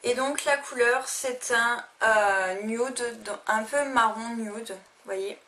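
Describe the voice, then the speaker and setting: A woman's voice: a little high, slow, sharp tone. A young woman casually reviewing makeup she bought, talking hesitantly with many fillers and restarts. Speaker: beauty vlogger. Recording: faint noise, a little distant from the mic.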